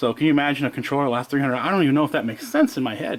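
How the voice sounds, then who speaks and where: A man talks at a fairly high pitch. His words come out mumbled. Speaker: electronics hobbyist and board designer. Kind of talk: casual unboxing tutorial. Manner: mumbling; halting, many fillers and repeats.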